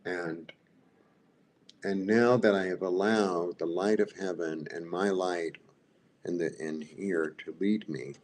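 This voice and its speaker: A man's voice: low-pitched, steady tone, slow, darkish tone, a little hiss or hum. A man with a Brooklyn Jewish accent giving a live tarot reading, rambling, repeating himself and asking the viewers "right?". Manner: talks to viewers directly, asks "right?". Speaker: tarot reader.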